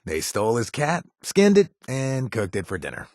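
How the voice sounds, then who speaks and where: A medium-pitched man with huge pitch swings voices a sarcastic wasteland ally in a video game, concerned for his brother. He talks at a moderate pace with dry humor and many hesitations, and there's no room sound.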